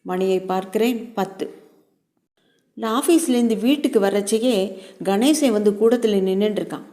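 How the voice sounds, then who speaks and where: Calm, mellow-voiced woman storyteller. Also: medium pitch, moderate pace. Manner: calm, steady narration. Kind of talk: reading a story aloud in the first person.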